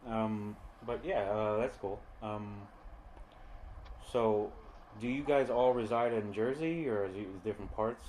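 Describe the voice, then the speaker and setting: A man's voice: lowish voice, unhurried, background noise. A young man hosting a casual podcast chat, hesitant and full of fillers and restarts. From Long Island, New York. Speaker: podcast host.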